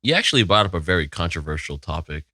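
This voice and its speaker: Deep, lively man explaining on a podcast. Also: fast talker, no room sound. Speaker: podcast co-host. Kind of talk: casual podcast chat.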